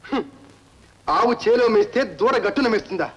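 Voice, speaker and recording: An actor playing a proud, angry young husband who speaks defiantly and sermonizes, with a husky voice in old film melodrama style. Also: male voice, sits high, animated, a little fast, a bit bright, heavily acted, poor audio.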